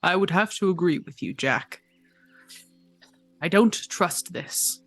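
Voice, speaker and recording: A player roleplaying their character at a tabletop game, blunt and playfully gruff. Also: medium pitch, lively intonation, slow pace, a bit bright, no room sound, soft background music.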